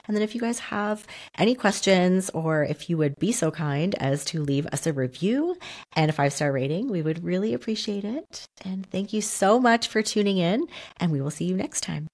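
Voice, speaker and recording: A woman in her thirties co-hosting a casual podcast, a bit nasal and raspy from a cold, chatty with lots of fillers. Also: on the low side, expressive, moderate pace, a little mellow. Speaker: podcast co-host. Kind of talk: casual chat.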